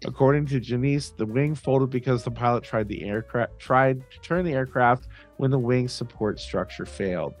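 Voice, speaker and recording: American man, podcast co-host, mid-pitched voice, reading aloud and commenting, informal, music in the background. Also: moderate pace, hardly any pauses. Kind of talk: casual chat, reading articles aloud with commentary.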